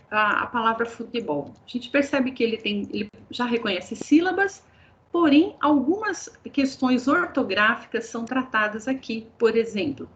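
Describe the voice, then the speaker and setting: A woman's voice: on the high side, fairly bright tone, a little hiss or hum. A woman with a Brazilian Portuguese accent leads a teacher training session online, explaining students' written work and often checking in with her audience. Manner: explanatory, addresses audience as pessoal. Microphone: video call. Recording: dull lo-fi call audio.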